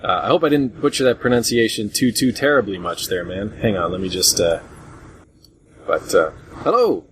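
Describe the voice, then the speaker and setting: Low-voiced man hosting over background noise. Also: lively intonation, normal speed. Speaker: podcast host. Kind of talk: casual group discussion about retro games. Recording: noisy low-grade voice chat recording.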